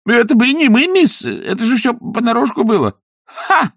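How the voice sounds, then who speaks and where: A man's voice: high voice, expressive, normal speed, no room sound, clean studio sound, pitched above the performer's own voice. A man voicing a frightened village weaver who stammers and pleads in a storybook. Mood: nervous.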